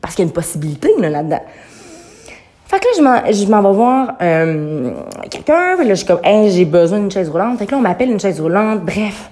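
A woman's voice: mid-range voice, big pitch swings, a little fast, a little mellow. Young quebec woman rambling through a story on her podcast, chatty, laughs a lot, throws in english words. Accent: Québécois French. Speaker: podcast host.

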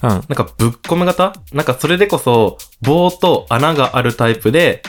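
A man's voice: medium pitch, lively intonation, normal speed, soft background music. A young man in his twenties from Hokkaido, a university student co-hosting a casual podcast, polite and easygoing. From Hokkaido, Japan. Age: 20s.

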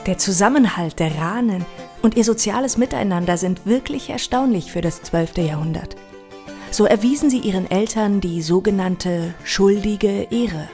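A woman's voice: medium pitch, moderate pace, a little mellow, faint music behind. A woman delivering scripted documentary narration as a storyteller of history.

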